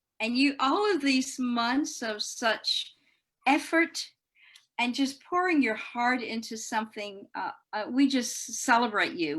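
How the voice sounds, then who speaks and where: A woman's high voice with a bright, sharp tone, lively intonation, and a very slow pace. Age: 70s. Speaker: researcher and counselor. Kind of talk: guest talk. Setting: video call.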